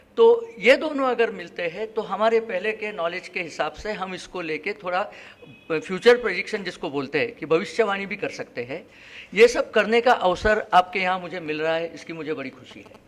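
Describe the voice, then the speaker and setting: High-pitched male speech with lively intonation, big swings in loudness and noticeable background noise. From India, Indore (Madhya Pradesh). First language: Marathi (speaking Hindi). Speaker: guest speaker on geopolitics. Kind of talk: public lecture. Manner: hesitant, frequent filler 'uh'.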